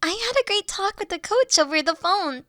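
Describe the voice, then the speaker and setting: A woman playing a high-pitched, awkward, nerdy young dragon girl. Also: animated, normal speed, fairly bright tone, no echo, clean studio sound. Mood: self-conscious. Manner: bubbly, awkward, hesitant, giggly. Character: huge, nerdy, friendly young female dragon college student. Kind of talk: roleplay audio drama addressed to the listener.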